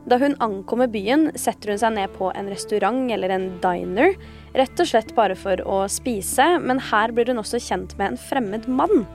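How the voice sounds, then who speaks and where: A woman's voice: on the high side, animated, darkish tone, faint music behind. A woman host telling a true-crime story in a conversational, semi-scripted narration. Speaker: podcast host.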